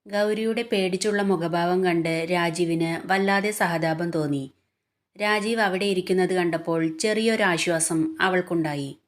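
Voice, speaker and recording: Woman narrating a romance story. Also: fairly low pitch. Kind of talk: scripted narration.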